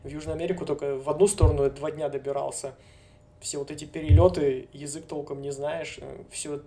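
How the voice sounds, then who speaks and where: Flat-voiced Siberian-born man, hedging. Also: fairly high pitch, a little fast. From Novosibirsk, Siberia, Russia. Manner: relaxed, hedging with frequent fillers, chuckles often. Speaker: guest. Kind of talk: casual conversation.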